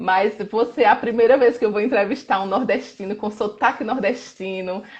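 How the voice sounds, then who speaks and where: There is noticeable background noise as a woman speaks with a fairly high pitch. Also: fairly even intonation, moderate pace. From Brazilian Northeast, Campina Grande, Paraíba. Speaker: live stream host, interviewer. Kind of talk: casual interview. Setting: online live stream.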